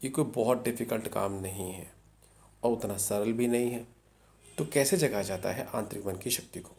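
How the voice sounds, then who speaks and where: A man who teaches meditation, explaining a practice step by step in a calm manner and often checking that the listener is following. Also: lowish voice, moderate pace. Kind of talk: instructional talk on meditation.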